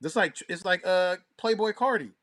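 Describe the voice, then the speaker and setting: A man's voice: high-pitched, moderate pace, a bit bright. A man co-hosting a casual podcast, talking in an opinionated, emphatic, slangy and profane way. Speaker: podcast co-host and DJ.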